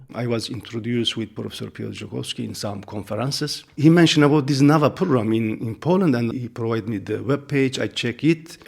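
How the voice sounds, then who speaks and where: A man at a medium pitch with ordinary pitch variation, speaking at a fairly quick pace with hardly any pauses, over noticeable background noise. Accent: Turkish. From eastern Turkey. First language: Turkish. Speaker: visiting professor. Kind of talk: interview.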